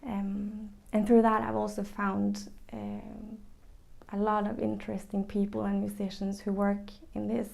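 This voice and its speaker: A young woman with a Norwegian accent talks about her music in a calm, searching way, stopping often to find the right words. Her voice is low in brightness, mellow and heavy with vocal fry. Her pitch stays flat and even, with little rise or fall. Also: unhurried. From northern Norway. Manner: thoughtful, searching for words with many ums and restarts. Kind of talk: reflective interview answers.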